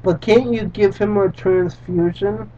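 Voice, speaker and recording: Man voicing a desperate father, stammering, slow, mellow tone, lo-fi recording. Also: sits high, steady tone, far from the mic. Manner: halting read-aloud delivery. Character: desperate young father of an only son. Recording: dull lo-fi recording.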